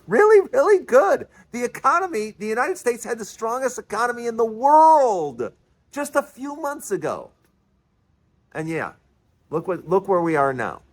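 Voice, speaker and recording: A man in his early sixties giving an emphatic, passionate monologue, often repeating and restarting words. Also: sits high. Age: 60s. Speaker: commentary host.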